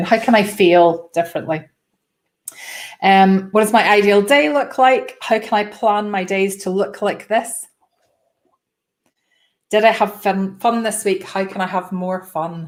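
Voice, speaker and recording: A woman with a Northern Irish accent at medium pitch, speaking at a fairly slow pace with fairly even intonation and long, frequent pauses. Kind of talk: casual, reflective.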